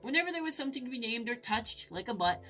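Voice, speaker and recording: A woman's voice: a little high, animated, quick pace, bright, forceful tone, soft background music. A woman hosting a let's play, reading game text aloud and breaking in with irreverent, crude, jokey asides.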